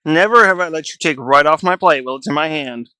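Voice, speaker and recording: A man's voice: a little high, quick pace, bright, forceful tone, clean tone, no echo. A man streaming live, casually chatting and coaxing and scolding his pets in a joking way.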